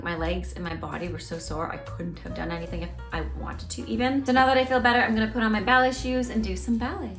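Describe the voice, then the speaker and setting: A woman vlogger chatting casually to viewers, rambling and cutting herself off as she goes. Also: mid-range voice. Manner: chatty, rambling, self-interrupting. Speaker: vlogger and ballet teacher. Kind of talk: casual vlog chat.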